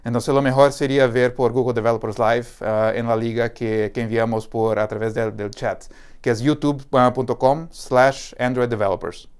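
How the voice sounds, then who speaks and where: Brazilian man, Portuguese accent, smooth clear voice, halting live tech talk with many fillers. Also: mid-range voice, fairly even intonation, a little mellow. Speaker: developer advocate. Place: company studio.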